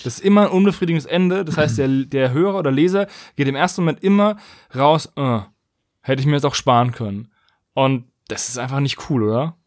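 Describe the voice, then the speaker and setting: A man co-hosting a podcast in casual review chat, opinionated and quick to argue a point. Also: medium pitch, expressive, dry recording, studio quality. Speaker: podcast host. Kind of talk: casual review chat about audio dramas.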